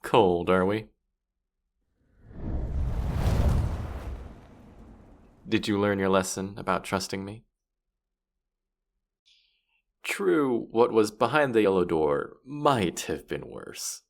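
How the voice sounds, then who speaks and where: A man's voice: lowish voice, animated, unhurried, creaky. A man playing a playful, boastful spirit guide of the afterlife in a fantasy audio roleplay, with teasing, theatrical, mock-sympathetic delivery. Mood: mocking amusement.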